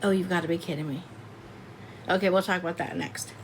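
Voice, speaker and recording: A woman in her fifties chatting casually with viewers on a livestream, loud and laughing often. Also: on the low side, fairly even intonation, brisk, a little hiss or hum, low-quality recording. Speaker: live streamer.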